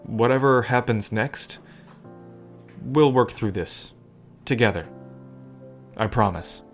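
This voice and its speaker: A man's voice: mid-range voice, takes it slowly, lightly acted. Guy playing a flirty devoted hero type in an audio romance, casual n affectionate, bit of faint music behind. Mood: tender, earnest. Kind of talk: scripted romantic audio roleplay spoken to the listener.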